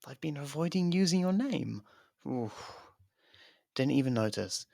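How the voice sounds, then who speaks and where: A man playing a guarded, sarcastic, foul-mouthed convicted murderer in an ASMR roleplay audio drama, with a gravelly, creaky voice. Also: fairly high pitch, expressive, measured pace, a little mellow, dry recording, clean studio sound, exaggerated voice. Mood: sardonic needling. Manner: sardonic, foul-mouthed, needling.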